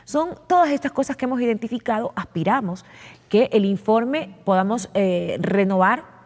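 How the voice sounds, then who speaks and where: A woman's voice: medium pitch, expressive, moderate pace, darkish tone. A woman lawmaker explaining her views in a televised interview, earnest and full of "eh" fillers and repeated words. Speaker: legislator being interviewed. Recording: long reverb.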